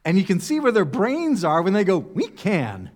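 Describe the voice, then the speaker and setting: A man's voice: sits high, very animated, fairly quick, in a large hall. A man preaching a conversational sermon, putting rhetorical questions to his listeners. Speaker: pastor.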